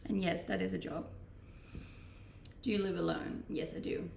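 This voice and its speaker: Danish woman, gravelly voice, roomy stream. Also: fairly low pitch, normal speed, slight background noise. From Denmark. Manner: relaxed, reads questions aloud then answers. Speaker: streamer answering chat questions. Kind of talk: casual chat. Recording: roomy, distant-mic home stream.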